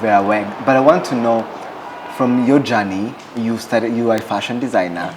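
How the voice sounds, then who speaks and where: Very deep-voiced woman interviewer, hesitant. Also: moderate pace, background noise. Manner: hesitant, many "uh" fillers, steady "mm" backchannels. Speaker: interviewer, host. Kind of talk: interview questions. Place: on location at a fashion house.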